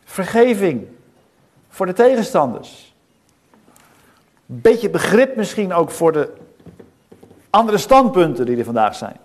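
A middle-aged man preaching a sermon in a church. He speaks earnestly, with frequent rhetorical questions and pauses between phrases. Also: high-pitched, sing-song. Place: church hall.

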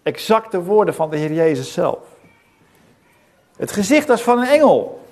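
Middle-aged man, preacher, sermon, earnest, rhetorical questions, pausing, somewhat high voice. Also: big pitch swings, darkish tone. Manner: earnest, asks many rhetorical questions, pauses between phrases. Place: church hall.

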